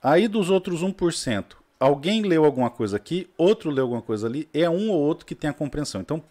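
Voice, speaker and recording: A man with a Brazilian Portuguese accent, talking in a casual chat as a guest, blunt and swearing freely while telling animated stories. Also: a little high, fast talker.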